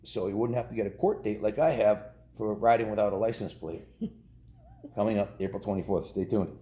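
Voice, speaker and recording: A man with a low, relaxed voice reads a children's story aloud. He keeps it informal and chatty, drifting into his own remarks to the kids, and the room around him is audibly echoey. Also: brisk. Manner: informal, ad-libbing. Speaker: storybook reader. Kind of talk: casual read-aloud of a children's novel with chatty asides to kids. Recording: roomy, echoing indoor sound.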